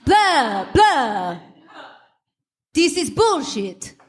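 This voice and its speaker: Woman playing a high-pitched, outraged vampire customer. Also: very animated, extremely slow, heavily acted. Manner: indignant, melodramatic. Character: haughty, outraged vampire customer at a drive-through. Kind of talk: comic radio play before a live audience. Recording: noisy live theater stage recording.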